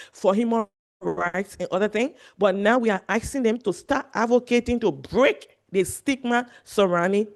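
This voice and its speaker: A woman from Liberia giving a health presentation to journalists, earnest and repeating her key points. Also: medium pitch. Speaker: medical speaker at a journalist training.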